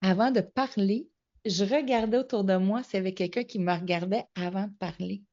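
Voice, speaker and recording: Animated Québécois woman telling stories. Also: medium pitch, brisk. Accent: Québécois French. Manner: animated storyteller, acts out quoted dialogue. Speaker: guest. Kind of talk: casual storytelling interview. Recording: slightly muffled lo-fi audio.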